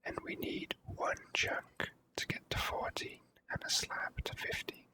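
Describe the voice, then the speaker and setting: Here a gamer hosting the session offers quiet ASMR commentary as they play, speaking slowly and gently in a hushed, unhurried whisper.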